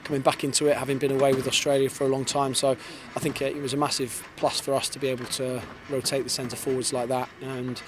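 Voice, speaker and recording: A man in his thirties, a football head coach, giving an earnest post-match interview outdoors on a floodlit pitch into a handheld mic, often repeating words as he starts a sentence. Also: flat delivery, quick pace, hardly any pauses. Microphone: handheld reporter's mic held in front. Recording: outdoor stadium noise behind.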